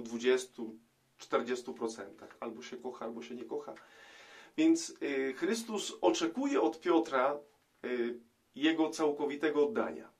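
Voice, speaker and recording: A middle-aged man, a priest, giving a reflective gospel commentary to camera in a small room, pausing often with hesitation sounds. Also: medium pitch. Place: small indoor room, plain wall.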